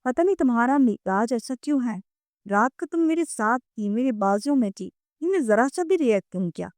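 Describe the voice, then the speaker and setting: A woman's voice: mid-range voice, fairly even intonation, warm tone, no echo, clean studio sound, close to an everyday voice. A woman reading as a brooding, blunt husband. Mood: bitter. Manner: blunt, irritable questioning. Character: man, brooding wealthy husband.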